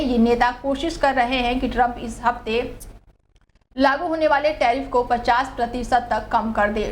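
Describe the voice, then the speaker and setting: Female news anchor, fairly high voice, brisk bulletin read over faint noise.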